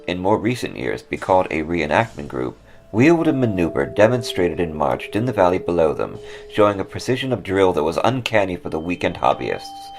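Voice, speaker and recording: A man reading a ghost story as scripted narration, with measured, theatrical phrasing. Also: sits low, creaky.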